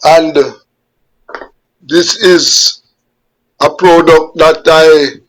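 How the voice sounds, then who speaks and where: A Jamaican man in his fifties or sixties, a veteran journalist, answering interview questions on a video call in a measured way, repeating words as he gathers his thoughts. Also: fairly high pitch, fairly even intonation, poor audio. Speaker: guest journalist. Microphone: webcam on a video call.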